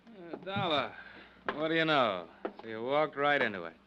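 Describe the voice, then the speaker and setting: A man's voice: a little high, very animated, moderate pace, sharp tone. A man playing a gloating crook's accomplice in an old radio drama. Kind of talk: golden age radio drama acting. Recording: dull, very noisy old radio recording.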